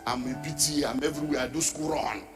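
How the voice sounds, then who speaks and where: A middle-aged man, preaching a sermon as a pastor, forceful and rising to shouts. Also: on the high side, steady tone, fast. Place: church or large hall. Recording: reverberant hall with background music.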